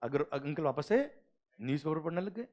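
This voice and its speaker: A man's voice: a little high, animated, normal speed, a little mellow. A middle-aged man teaching a class, telling a story and acting out its dialogue.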